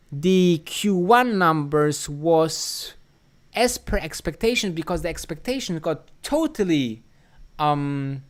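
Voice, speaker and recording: A man's voice: a little high, smooth. A man from Germany with a German accent, hosting a casual live stream and reading out chat comments, rambling with many fillers and restarts. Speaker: livestream host answering chat.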